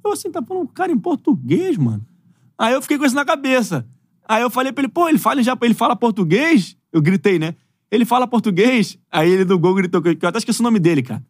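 A man's voice: high voice, very animated, very fast, no room sound, studio quality. A young adult man from Brazil, a footballer guest telling stories in laid-back slangy chat. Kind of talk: casual storytelling.

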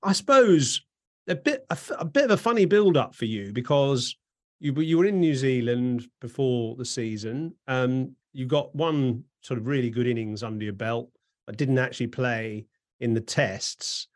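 A man's voice: mid-range voice, normal speed. A man with an English accent hosting a conversational interview, asking chatty, rambling questions. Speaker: interviewer and host.

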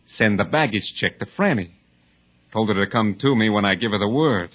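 A man's voice: fairly low pitch, animated, moderate pace, a bit bright, husky, highs cut off. A man playing a hardened, menacing escaped bank robber in 1950s radio drama style, speaking in clipped tough-guy phrases.

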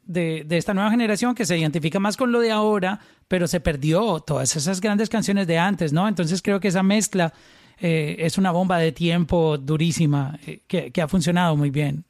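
A man's voice: sits high, normal speed, darkish tone, dry recording, clean studio sound. A man from Colombia with a paisa accent, interviewing in a casual, chatty way and often repeating words as he starts a phrase.

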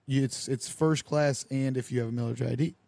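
Young man hosting a podcast, lively anecdote teller who plays out the dialogue, mid-pitched, dry close sound. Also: quick pace, vocal fry, no echo. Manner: animated storyteller who acts out quoted dialogue with lively voices. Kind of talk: casual storytelling chat.

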